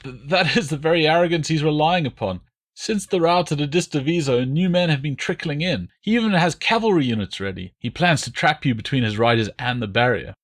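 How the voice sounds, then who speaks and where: A whining tribal deserter, acted by a male audiobook reader, pitched well up high. He cowers and pleads for mercy, his words hurried and prone to stammering. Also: expressive. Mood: nervous, insistent. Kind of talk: audiobook character voice.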